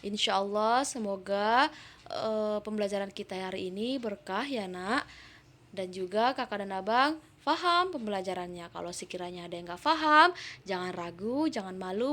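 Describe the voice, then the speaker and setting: Animated woman teacher coaxing young pupils. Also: medium pitch. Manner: animated, coaxing, calls the children "Nak". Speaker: Arabic teacher for primary pupils. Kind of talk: recorded online lesson.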